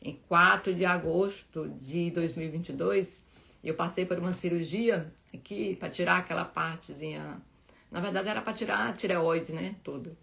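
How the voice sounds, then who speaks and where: Female host, lowish fry-edged voice, informal heartfelt Bible talk full of restarts. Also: a bit bright. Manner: heartfelt, halting, many restarts and fillers. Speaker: Bible study live host.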